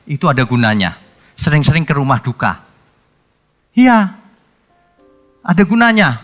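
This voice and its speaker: A male pastor preaching a sermon in a conversational, colloquial way, breaking into sudden animated outbursts. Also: a little high, a little slow. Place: church hall. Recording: long hall reverb with faint music.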